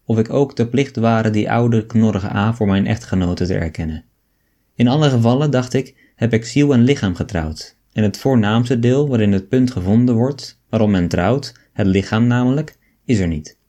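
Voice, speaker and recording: A man reading an old novel aloud as an audiobook, in a measured storytelling way. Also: fairly low pitch, dark tone. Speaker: audiobook reader.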